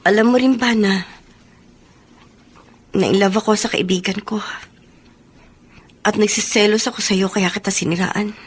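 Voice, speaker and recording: An actress with a Filipino accent playing a remorseful lesbian woman in a radio drama, in a husky voice over music. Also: mid-range voice, steady tone, normal speed, pauses often, close to an everyday voice. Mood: guilty, pleading. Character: remorseful lesbian woman confessing her jealous love. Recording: background music under the voice.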